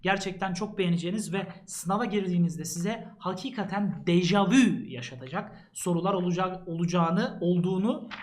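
A man's voice: high-pitched, fairly quick, hardly any pauses. A male math teacher talks students through an exam prep book in an earnest, casual way, addressing them directly as he flips through its pages.

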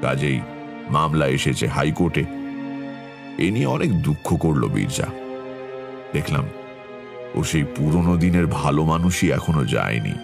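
An actor playing a middle-aged tantric astrologer, narrating his past in a measured, reflective way for a horror audio story. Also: extremely low pitch, sing-song, gravelly, full character voice. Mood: measured, somber. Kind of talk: dramatic first-person horror story narration. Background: background music.

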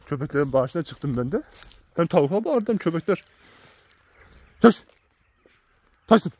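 A man's voice: a little high, darkish tone, no room sound, highs cut off. A man who works as a shepherd, talking casually to his viewers outdoors in a farmyard and often calling them friends. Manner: chatty, keeps addressing viewers as friends. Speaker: shepherd vlogger. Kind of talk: casual vlog narration to viewers.

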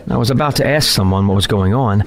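A man's voice: fairly low pitch, fast, close to an everyday voice. An actor playing an uneasy man trapped in a deadly game, narrating a horror audio drama in a tense, dramatic way. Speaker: narrator and lead character. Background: loud music.

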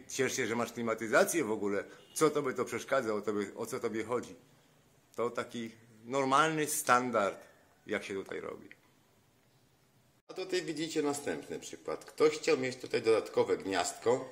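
A man narrating a walkthrough of a house, complaining with exasperated sarcasm about shoddy repairs, filmed on a phone indoors. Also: medium pitch. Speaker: vlogger.

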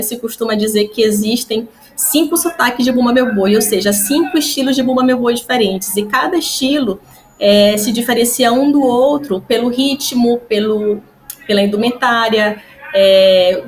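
A woman's voice: fairly high pitch, a little hiss or hum. A woman, explaining her research to camera from a small room at home on a webcam, with frequent fillers and tag questions. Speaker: historian presenting research. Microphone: webcam or laptop mic, video call framing.

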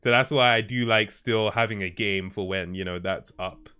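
A man's voice: on the low side, moderate pace, bright, forceful tone, smooth. A young man streaming from home on a headset, chatting casually and laughing easily with his chat. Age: young adult. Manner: laid-back, laughs often, chatty with chat. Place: home streaming room, indoors.

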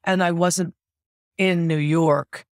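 A woman in her sixties from California, a stage actress and singer, chatting as a podcast guest and telling lively stories full of restarts and asides. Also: lowish voice, no room sound. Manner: animated storyteller, quick restarts and asides. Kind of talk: casual interview chat.

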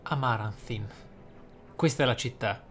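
A man's voice: mid-range voice, a little slow, fairly bright tone, a little hiss or hum. A man giving casual gameplay commentary in a theatrical way, with flowery wording and exclamations. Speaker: gaming video host. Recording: music behind the voice. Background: game music.

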